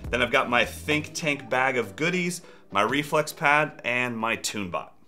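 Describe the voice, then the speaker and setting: A man's voice: medium pitch, animated, unhurried, sharp tone, faint music behind. A man in his forties, a drum educator, talking casually and upbeat to his camera in a vlog. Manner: chatty, upbeat, self-deprecating. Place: drum studio room, later a car.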